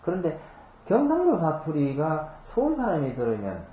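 A man's voice: on the high side, huge pitch swings, moderate pace, mellow, reverberant, slight background noise. A man preaching a conversational sermon, explaining scripture patiently with homely examples and rhetorical questions. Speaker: pastor. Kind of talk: conversational Bible-teaching sermon.

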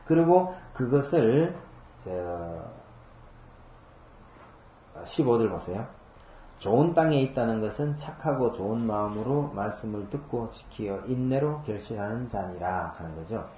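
Lively, low-voiced pastor preaching. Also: male voice, measured pace, echoey room, slight background noise. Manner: explains patiently, with homely examples and rhetorical questions. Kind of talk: conversational Bible-teaching sermon.

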